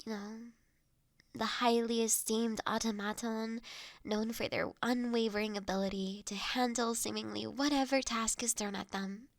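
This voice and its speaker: A woman playing a polite, gentle human lady in an intimate audio roleplay, speaking formally and courteously with soft hesitations. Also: on the high side, fairly even intonation, gravelly, no echo, studio quality. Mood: admiring, soft. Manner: courteous, formal wording, softly hesitant with pauses.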